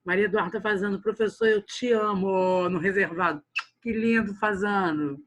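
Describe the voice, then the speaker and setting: A man's voice: high-pitched, fairly even intonation, moderate pace, a bit bright. A man teaching an online class over a video call, chatty and joking with his students.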